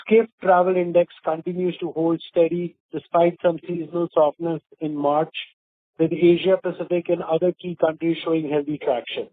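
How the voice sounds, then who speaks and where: A man with an Indian accent formally reading prepared earnings call remarks as a company executive, in a measured way. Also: on the high side, flat delivery, no echo. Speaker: company executive presenting results. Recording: narrow, tinny phone conference line.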